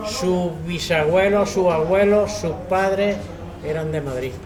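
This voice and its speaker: Spanish man in a loud crowd. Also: high voice, takes it slowly, echoey room. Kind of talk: casual chat.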